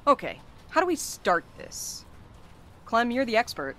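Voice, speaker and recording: A woman's voice: a little high, sing-song, unhurried, a bit bright, a little hiss or hum. A woman playing an irreverent young courier in an audio drama, with a wry, teasing, casual manner. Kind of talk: naturalistic audio drama acting.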